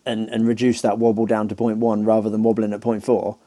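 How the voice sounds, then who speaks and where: A man chatting casually on a podcast, easygoing and quick to agree and chuckle. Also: lowish voice, completely flat delivery, warm tone, no echo.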